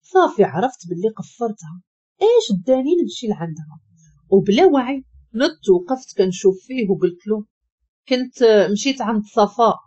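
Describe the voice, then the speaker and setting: Woman storyteller, Moroccan accent, husky mellow voice, dull lo-fi recording. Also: medium pitch, very animated, a little fast. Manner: emotional, dramatic retelling. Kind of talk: first-person story narration.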